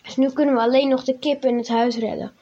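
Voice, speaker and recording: A worried male farmer in a storybook gives plain, urgent instructions, as a woman reads his lines. The voice sits high. The recording sounds dull and lo-fi. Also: steady tone, fast, warm tone.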